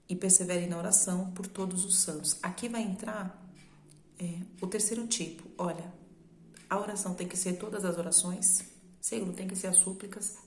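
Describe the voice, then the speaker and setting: A woman's voice: lowish voice, a little mellow, roomy sound. A woman with a Brazilian Portuguese accent, preaching a sermon in a conversational, explaining way that uses rhetorical questions. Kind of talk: sermon teaching.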